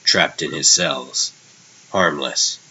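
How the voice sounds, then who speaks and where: Guy doing dark brooding superhero, really deep n slow, grave haunted delivery, comic dub style. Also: lo-fi sound, slight background noise, exaggerated voice. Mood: grave confession. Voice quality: low, tense. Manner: grave, deliberate. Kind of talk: dramatic comic dub acting.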